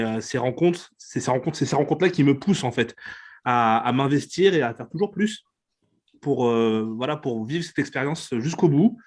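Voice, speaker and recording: A man on a panel speaking hesitantly, with restarts, and a self-deprecating manner. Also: medium pitch. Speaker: panel guest. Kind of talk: personal account.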